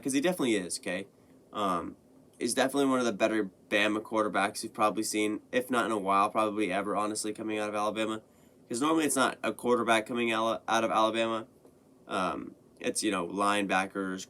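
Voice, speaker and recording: A young man with a lowish voice hosts a casual sports talk show. He sounds slightly hoarse from a recent illness. He rambles loosely, restarting sentences and leaning on filler words. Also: fairly bright tone. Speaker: podcast host. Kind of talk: casual sports commentary monologue.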